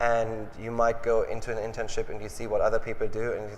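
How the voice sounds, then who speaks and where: With a German accent, the speaker talks at a fairly quick pace amid audible room echo. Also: man. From Germany. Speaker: magazine editor. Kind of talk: public interview.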